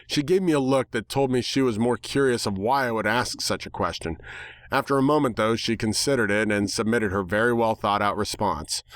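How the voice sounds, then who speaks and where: A man reading a first-person story as narrator in a wry, deadpan manner. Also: fairly low pitch, fairly quick, no echo, clean studio sound. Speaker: narrator, dramatic reader.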